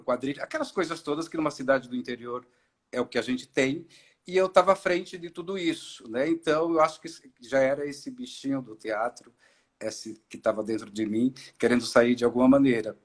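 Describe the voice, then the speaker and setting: A middle-aged man from Ceará, an actor and director, telling his story in a relaxed live-stream interview, with many fillers and restarts. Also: mid-range voice. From Ceará, Brazil. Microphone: video call.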